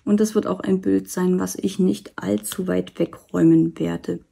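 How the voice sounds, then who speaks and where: A woman vlogger chatting casually while she does a diamond painting, rambling with many fillers and soft asides. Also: on the low side, fairly even intonation, normal speed, gravelly, husky. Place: indoors at a table. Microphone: camera over the work table, hands seen.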